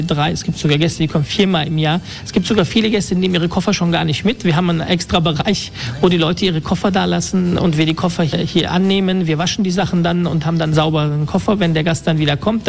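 A man's voice: a little high, steady tone, fast, creaky, few pauses. A man from Germany, a resort manager, explaining things fluently with occasional hesitations in an interview. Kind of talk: interview answers. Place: holiday resort in Turkey.

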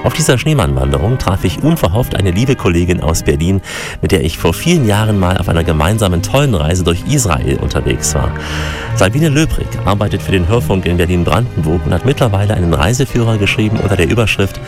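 A man with a very low, deep voice hosts a radio travel feature. He narrates and asks calm, measured questions on a winter forest walk. Faint music sits under parts of it.

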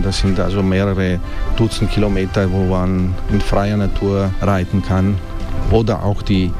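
A man explaining things as an interview guest, in informational, unscripted talk. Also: fairly low pitch. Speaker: riding stable representative, interviewee.

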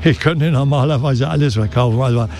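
Chatty old fish seller. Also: male voice, medium pitch, a little fast, darkish tone. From Hamburg, Germany. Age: 80s. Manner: chatty showman, tag questions like "ne". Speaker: fish market vendor. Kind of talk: casual interview. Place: outdoor fish market.

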